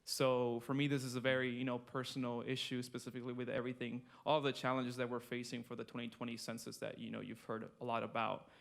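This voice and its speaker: Man in his twenties presenting, flat delivery. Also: medium pitch, fast talker, creaky, few pauses. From Mexico. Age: 20s. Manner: conversational, many fillers and restarts, self-deprecating. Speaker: state census project manager presenting. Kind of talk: conference presentation. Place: conference room.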